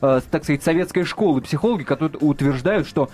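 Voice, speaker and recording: A man's voice: fairly high pitch, expressive, fast talker, a little mellow. A man hosting a radio talk show, taking calls and questioning his studio guests, with frequent hesitations and fillers.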